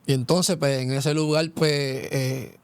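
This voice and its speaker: A man's voice: medium pitch, steady tone, slow pace, clear, resonant tone, no echo. A man with a Puerto Rican accent hosting a Christian testimony interview, earnest and speaking in guided questions with frequent tag asides. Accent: Puerto Rican Spanish. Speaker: host.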